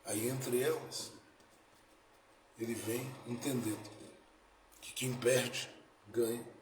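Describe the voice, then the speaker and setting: A male pastor preaching a sermon, moving between soft lines and loud, dramatic ones. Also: mid-range voice, steady tone, slow, noisy background. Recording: echoey room with faint ambience.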